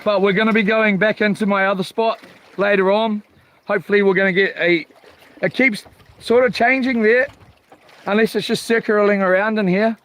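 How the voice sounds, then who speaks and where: A man's voice: high voice, steady tone, normal speed, a bit bright. A man with a broad New Zealand accent chats casually on a live vlog, rambling and hesitant, with slangy informal phrasing. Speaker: fishing livestream host. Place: outdoors on a small boat at sea. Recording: faint outdoor water and boat noise.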